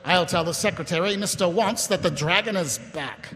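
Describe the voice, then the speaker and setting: A man playing a gruff, world-weary, sarcastic city watch captain in a live radio play. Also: high voice, moderate pace, natural voice. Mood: grim, determined. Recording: reverberant live hall, noisy stage recording.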